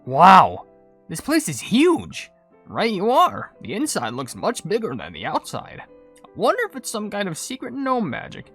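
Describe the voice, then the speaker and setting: Game hero: helpful, easily awed cookie voiced by a man, chirpy and casual, very animated pitch, light music bed. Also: a little slow, slightly rough, full character voice. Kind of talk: video game cutscene character voice.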